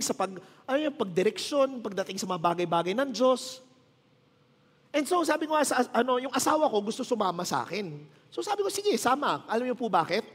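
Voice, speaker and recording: A man in his thirties, a Filipino-accented pastor, speaks in a large hall with a high-pitched, somewhat bright voice. His sermon is conversational, full of stories and jokes, blending Tagalog with English, and he sounds tired and strained after little sleep.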